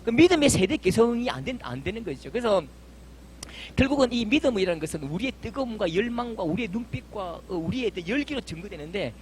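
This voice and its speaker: A man's voice: high-pitched, big pitch swings, quick pace, a little hiss or hum. A middle-aged male pastor, preaching a fervent, emphatic sermon full of vivid stories.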